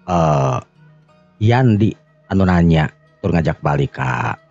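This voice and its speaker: A man with a Sundanese accent and a gravelly, husky voice, telling a serial drama in an unhurried, conversational way. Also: low-pitched, lively intonation, darkish tone. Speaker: storyteller and channel host. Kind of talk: oral storytelling of a serial folk drama. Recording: muffled recording with music underneath.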